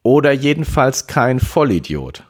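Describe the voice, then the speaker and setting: A man voicing a cheerful, excited teenage girl with a bubbly, eager way of talking, in an audiobook reading. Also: mid-range voice, unhurried, pitched above the performer's own voice.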